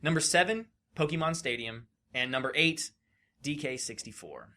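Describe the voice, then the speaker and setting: A man's voice: on the high side, normal speed. A man co-hosting a podcast in casual banter, running a trivia game with informal, sweary delivery. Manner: profane, animated, informal. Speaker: podcast co-host.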